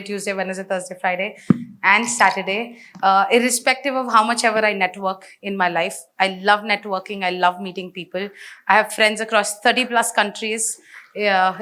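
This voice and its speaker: A woman with an Indian English accent giving a lively seminar talk, asking the audience questions. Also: mid-range voice. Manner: energetic, asks the audience questions. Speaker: business speaker.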